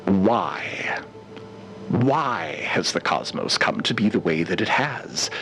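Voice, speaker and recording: An actor playing an eager, optimistic scholar-explorer in an audio drama, with florid, formal, wonderstruck phrasing. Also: male voice, low-pitched, expressive, slow, fairly bright tone, soft background music, full character voice. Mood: awed, earnest. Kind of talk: audio drama acting as an interviewee.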